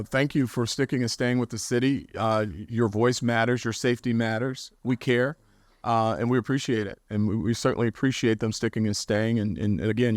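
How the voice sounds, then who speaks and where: Police chief speaking with many restarts. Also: male voice, mid-range voice, no room sound, studio quality. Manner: measured, many fillers and restarts. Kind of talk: press conference remarks. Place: city press briefing room.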